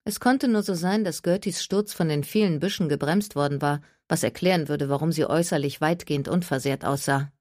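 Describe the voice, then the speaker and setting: Woman reading an audiobook, low voice. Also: fairly quick, hardly any pauses, darkish tone, no echo, studio quality. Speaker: audiobook narrator. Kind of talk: scripted audiobook narration.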